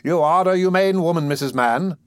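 A man voicing a pompous, self-important parish beadle in an audiobook, with a stately, drawn-out delivery. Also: a little high, dry recording, clean studio sound, voice pushed up, natural voice. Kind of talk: audiobook character voice.

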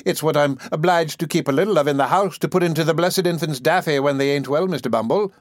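A man's voice: a little high, fast talker, no room sound, clean studio sound, voice pushed up, natural voice. A man voicing a sly, sugary older nurse woman in an audiobook, coaxing and persuasive. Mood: wheedling. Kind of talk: audiobook character voice.

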